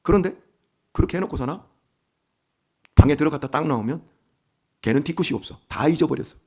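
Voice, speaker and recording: A man's voice: on the high side, brisk, slightly rough. A man in his fifties giving an early-morning church sermon as pastor, talking conversationally and animatedly. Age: 50s. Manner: conversational and animated, acting out family quarrels. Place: church sanctuary.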